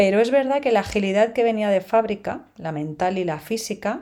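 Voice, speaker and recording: This woman talks at a moderate pace. Her tone is animated. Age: 50s. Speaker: podcast host, coach and writer. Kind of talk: solo podcast monologue.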